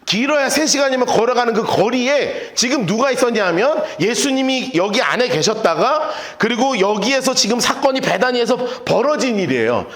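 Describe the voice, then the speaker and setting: A man preaching a casual, playful sermon as pastor, acting out the people in his stories with quick little voices. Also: extremely high pitch, animated, a bit bright, reverberant. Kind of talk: lively sermon. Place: church sanctuary.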